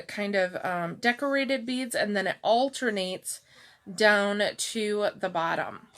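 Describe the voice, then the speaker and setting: A middle-aged woman with a calm, soft-spoken voice, chatting slowly through a live jewelry showcase and answering viewers by name. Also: medium pitch. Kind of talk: slow live-stream product showcase chat.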